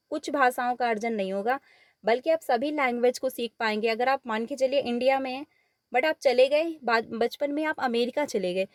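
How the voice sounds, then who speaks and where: In a clean studio recording with no room sound, a female teacher with a fairly high, darkish voice goes through an exam paper one step at a time. Her Hindi is sprinkled with English words, and she repeats each answer.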